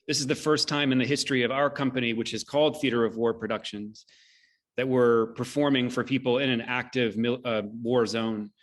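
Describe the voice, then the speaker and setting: A man hosting an online discussion, speaking in a halting, reflective and appreciative way as he moderates. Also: medium pitch, steady tone. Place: online video call.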